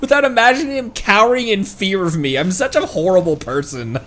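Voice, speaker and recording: A man's voice: high-pitched, animated, a little fast, a bit bright. A man giving casual, playful live commentary as he plays a video game, mimicking game lines now and then. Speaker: streamer playing a video game. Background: game music.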